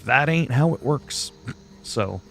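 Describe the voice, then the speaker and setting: A man's voice: medium pitch, expressive, slow, vocal fry, a bit bright, faint music behind. A man from Canada whose first language is French, chatting casually on a livestream in a self-deprecating, salty, freely swearing way. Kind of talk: casual rambling livestream chat.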